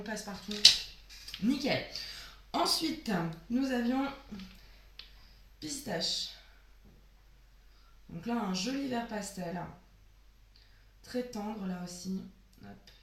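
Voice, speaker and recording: Hoarse-voiced woman chatting in an echoey room. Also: mid-range voice, a little hiss or hum. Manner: chatty, sniffling, trailing off with many fillers. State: sick, hoarse voice. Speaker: beauty vlogger. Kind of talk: casual product haul.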